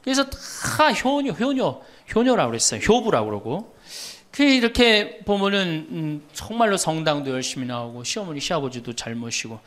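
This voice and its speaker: A man's voice: on the high side, lively intonation, moderate pace, a bit bright. A middle-aged man, a Catholic priest, giving a humorous lecture and telling stories to an audience. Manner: storytelling, quoting others, teasing the audience.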